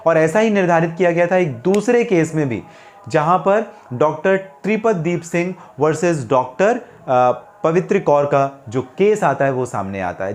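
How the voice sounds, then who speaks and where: Male Indian legal explainer, voice a bit on the high side, instructive host style with rhetorical questions and English legal terms. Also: darkish tone. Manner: didactic, poses rhetorical questions then answers them. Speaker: legal advice channel host explaining law. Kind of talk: explanatory talk to viewers.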